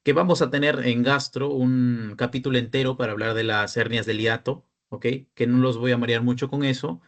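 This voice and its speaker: A man's voice: mid-range voice, fairly even intonation, fairly quick. A young man with a Peruvian Spanish accent, a peer tutor giving an online class lecture, explaining step by step and often checking in with the students.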